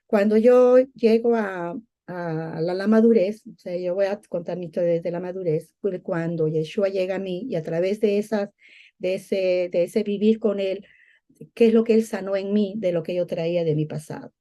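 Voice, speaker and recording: A woman's voice: medium pitch, normal speed, warm tone. A middle-aged woman from Peru giving a personal religious testimony conversationally, often repeating herself as she searches for words.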